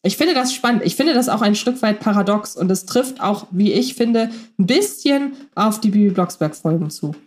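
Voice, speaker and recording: A woman's voice: medium pitch, lively intonation, moderate pace, few pauses, darkish tone. A woman co-hosting a podcast, talking thoughtfully and analytically with some fillers. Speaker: podcast co-host. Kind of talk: casual chat.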